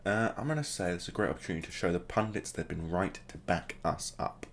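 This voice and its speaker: A man's voice: deep voice, expressive, brisk, a little hiss or hum. A man hosting a gaming video, casually commentating the play as it happens and adding joking asides. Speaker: gaming channel host.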